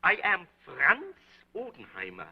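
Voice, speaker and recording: A stubborn middle-aged German restaurant keeper talks slowly and haltingly in a husky German accent. His voice sits high and swings widely in pitch. The sound is a dull, muffled 1930s film track. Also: huge pitch swings, exaggerated voice. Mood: earnest. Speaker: restaurant owner questioned as a witness.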